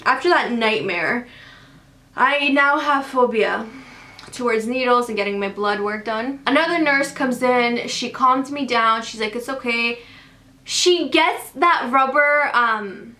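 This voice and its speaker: A woman's voice: fairly high pitch, measured pace, roomy sound. A young woman from Canada telling a dramatic storytime to her vlog viewers, full of fillers and restarts. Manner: dramatic, animated retelling with many fillers. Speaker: vlogger.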